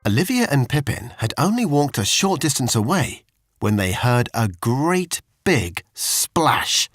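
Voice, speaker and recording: A man's voice: medium pitch, sing-song, unhurried, fairly bright tone. A man with a British accent reading a scripted children's story, expressively, as a storyteller to young children.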